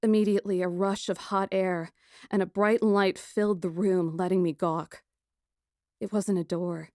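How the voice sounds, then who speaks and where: A woman playing a plucky, sarcastic kidnapped young woman who narrates her ordeal in a first-person audiobook, wry and expressive. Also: mid-range voice, moderate pace, dry recording, clean studio sound, natural voice. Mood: tense.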